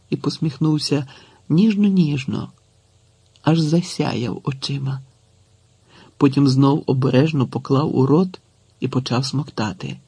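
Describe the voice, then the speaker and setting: A man reading a literary story aloud in an expressive audiobook narration. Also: medium pitch, breathy edge, dry recording.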